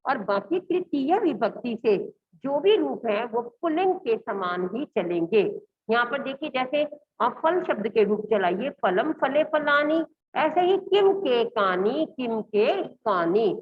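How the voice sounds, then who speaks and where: A woman teacher with a fairly high voice leads a recorded lesson. She speaks to her pupils fondly as "beta" and steps through grammar forms one at a time. The recording is dull and lo-fi. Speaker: school Sanskrit teacher.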